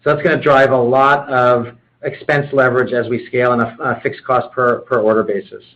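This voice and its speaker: Guy exec explaining numbers on an earnings call, kinda muffled lo-fi audio, mid pitch. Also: little pitch movement, brisk. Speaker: company finance executive on an earnings call. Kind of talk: explanatory business talk. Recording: dull conference call audio.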